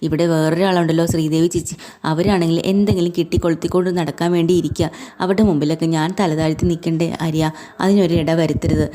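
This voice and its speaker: An earnest young wife reasons with her husband in a retold TV serial scene, as a woman storyteller voices her. The voice sits low and moves quickly. Its tone stays soft and mellow. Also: fairly even intonation, natural voice.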